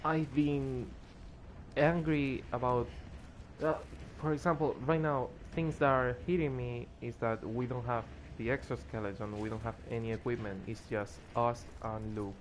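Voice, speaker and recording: A man's voice: mid-range voice, steady tone, unhurried, a little hiss or hum. A tired man streaming a game, losing his voice and rambling as he plays, with faint music behind him. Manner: rambling, restarts when moved. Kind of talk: casual gameplay commentary.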